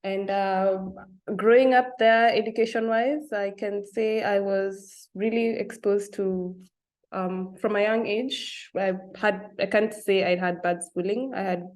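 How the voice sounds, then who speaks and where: A woman's voice: medium pitch, steady tone, unhurried, darkish tone. A young Kenyan woman with a Kenyan accent, answering interview questions thoughtfully, with many fillers and small laughs. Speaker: guest. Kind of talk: interview conversation.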